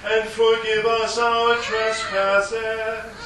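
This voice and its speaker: Pastor with a high voice slowly reading prayers, big cathedral echo, hissy noisy recording. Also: male voice, level tone, bright, forceful tone. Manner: solemn, measured prayer reading. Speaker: pastor leading the liturgy. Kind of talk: liturgical prayers and chanted liturgy. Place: large church sanctuary. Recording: booming church echo, distant mic, background noise.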